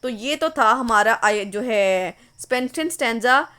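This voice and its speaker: Slow-paced, high-voiced woman teaching. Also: expressive, bright, forceful tone, smooth. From Pakistan. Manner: explains patiently, reads highlighted words aloud one by one. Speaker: English literature teacher. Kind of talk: online lecture.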